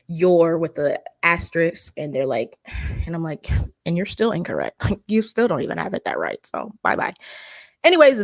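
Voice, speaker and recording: A woman from the Bay Area with an African American Vernacular English accent, hosting a casual livestream and chatting with viewers, full of "like" fillers and animated asides. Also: deep voice, no room sound, studio quality. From California Bay Area. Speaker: livestream host. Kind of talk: casual livestream chat, reading viewer comments.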